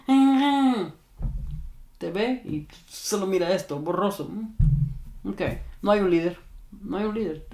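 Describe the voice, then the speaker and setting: A man's voice: a little high, darkish tone. A man working as a dog trainer, earnestly explaining advice to a viewer and repeating his key points for emphasis. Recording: roomy echo.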